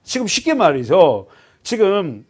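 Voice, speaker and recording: A male pastor preaching an expository sermon in a church, keeping it lively by quizzing the congregation and dropping to a hushed voice for grim points. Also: high voice, unhurried, slightly rough. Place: church sanctuary.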